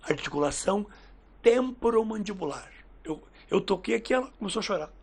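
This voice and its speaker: Husky, gravelly man telling stories. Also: sits high, brisk. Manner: lively storyteller who acts out quoted dialogue. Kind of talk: casual podcast chat, storytelling.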